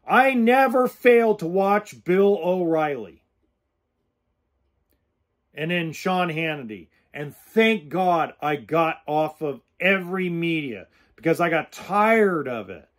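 A man's voice: high-pitched, slow pace. Man in his forties, podcast host, blunt earnest straight talk, slightly raised voice, close studio mic. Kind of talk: casual direct-to-camera talk. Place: indoors in an RV or home kitchen. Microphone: studio mic with pop filter close in front.

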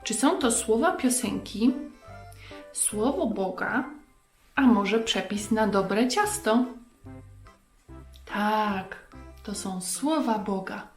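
Woman host talking to kids, slow and scripted, roomy echo on it. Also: medium pitch, lively intonation, faint music behind. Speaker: children's lesson host. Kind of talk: scripted quiz and sign-off for children.

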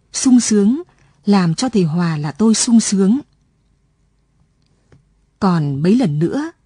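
A woman reading a story aloud in measured, scripted radio narration, recorded in a broadcast studio. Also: mid-range voice, mellow, breathy edge, dry recording.

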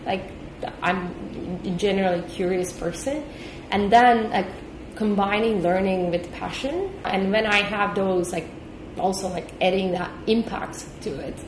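A woman's voice: mid-range voice, steady tone, unhurried, reverberant, a little hiss or hum, poor audio. A woman from Turkey, a company executive, answering interview questions thoughtfully and sometimes repeating words as she thinks. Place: office meeting room.

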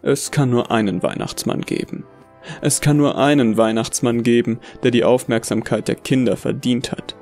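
A male actor narrates as a bitter, deluded Santa in a horror story. His mid-pitched voice is gravelly and brooding, full of contempt, with music underneath. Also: moderate pace, darkish tone, lightly acted. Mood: brooding, cold. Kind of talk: dramatic first-person horror narration. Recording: music behind the voice.

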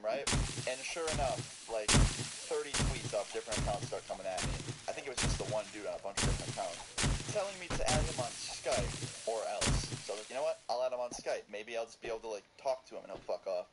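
A young man telling a casual, profane storytime about an online stalker, fast and animated. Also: on the low side. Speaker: YouTuber. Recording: loud background noise.

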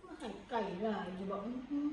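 A woman with a northeastern Thai Isan accent chatting casually over food, chewing as she talks. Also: a little fast. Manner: chewing while talking. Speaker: vlogger in a couple's eating video. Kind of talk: casual mealtime chat. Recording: roomy, distant mic, clear background noise.

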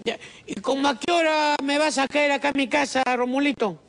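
A man's voice: very high-pitched, fairly quick, vocal fry, a bit bright. A man making a comic prank phone call, wheedling and scheming, calling everyone brother. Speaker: prank caller.

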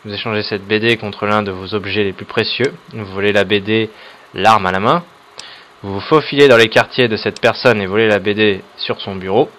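A man with a fairly low voice gives casual let's play commentary. He reads the game's choices aloud, then hesitates and pauses over his own choices, dropping in little jokes. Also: steady tone, fairly bright tone. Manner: reads on-screen options aloud, hesitant with many fillers, joking asides.

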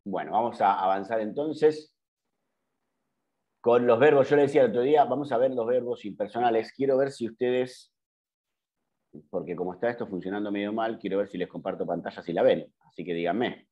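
A man's voice: fairly low pitch, fairly quick. A middle-aged man with an Argentine Spanish accent, teaching an online journalism class, explaining patiently with frequent "eh" fillers and self-corrections. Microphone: computer mic on video call. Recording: dull lo-fi video call audio.

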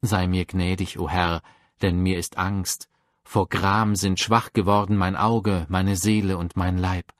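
A man reading psalms aloud for a Bible audiobook, measured and reverent. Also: deep voice, flat delivery, no echo. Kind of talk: solemn scripture reading.

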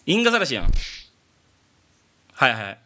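A man from abroad who speaks Japanese as a second language, giving a casual reaction commentary on an anime opening and breaking into loud exclamations. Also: medium pitch, moderate pace. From outside Japan. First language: not Japanese. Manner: excitable, bursts into loud exclamations.

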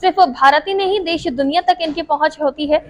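High-voiced young woman TV reporter. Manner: clear, measured reporter delivery. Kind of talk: news field report and interview. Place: indoor factory floor, then an office. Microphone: handheld mic.

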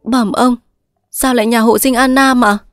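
A woman's voice: on the high side, steady tone, moderate pace, no room sound, clean studio sound, lightly acted. A woman reading as a meek, pleading young daughter-in-law. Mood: timid.

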